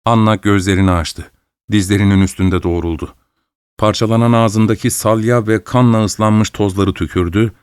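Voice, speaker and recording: A man reads a novel aloud in steady, dramatic narration. His voice is smooth and resonant. The recording is close and dry. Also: on the low side, moderate pace, no room sound. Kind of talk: audiobook reading.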